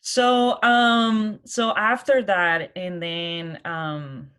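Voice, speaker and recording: A woman with a Colombian Spanish accent giving an informal personal presentation, halting, with frequent pauses and restarts. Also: medium pitch, level tone, fairly bright tone, clear, resonant tone. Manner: halting, hesitant, many pauses and false starts. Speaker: guest speaker, college program manager.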